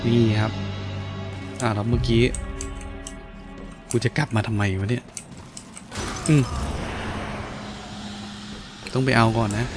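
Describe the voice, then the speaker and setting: A man's voice: mid-range voice, fairly even intonation, unhurried, long pauses. A man giving casual gameplay commentary, full of coarse slangy exclamations and talk aimed at enemies. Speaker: gaming YouTuber. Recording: game music behind the voice. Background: video game music and sounds.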